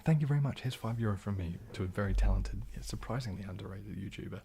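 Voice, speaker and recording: A man with a soft New Zealand accent that can pass for British, chatting to viewers on an ASMR livestream in a hushed, breathy, often half-whispered voice, polite and halting. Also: lowish voice, a little hiss or hum. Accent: New Zealand, soft, often taken for British. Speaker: ASMR YouTuber hosting a live stream. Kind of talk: ASMR livestream chat, reading and answering viewer comments.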